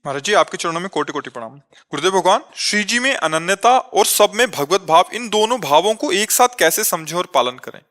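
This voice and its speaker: A man's voice: high-pitched, animated, fairly quick, a bit bright. A man, a devotee asking the spiritual teacher a question, respectful and using honorifics.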